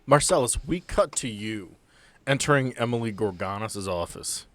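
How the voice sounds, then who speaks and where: Low-voiced man running a tabletop game. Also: lively intonation, moderate pace, fairly bright tone, dry recording. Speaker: game master.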